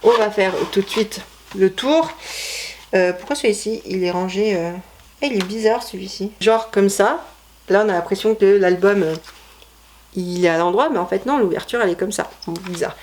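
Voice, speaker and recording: A woman's voice: medium pitch, moderate pace, darkish tone, slight background noise. Chatty rambling woman vlogger. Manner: chatty, rambling, self-correcting with many fillers. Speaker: vlogger showing her CD collection. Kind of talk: casual chat.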